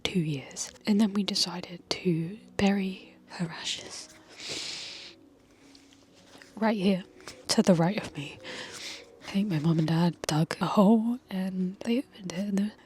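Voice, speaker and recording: Outdoors in a garden, a woman video creator whispers to her viewers in a soft, unvoiced, medium-pitched whisper, ASMR style. Her personal talk is gentle, tender, and reflective, with faint outdoor ambience and bees in the background.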